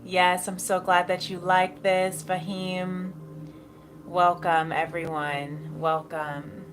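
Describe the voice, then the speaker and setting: A woman speaking as a gentle, mystical spiritual healer, guiding listeners in an unhurried meditative way with long pauses. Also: on the low side, level tone, background noise. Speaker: spiritual livestream host. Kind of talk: slow guided spiritual meditation talk and card reading. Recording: music playing behind the voice. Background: music.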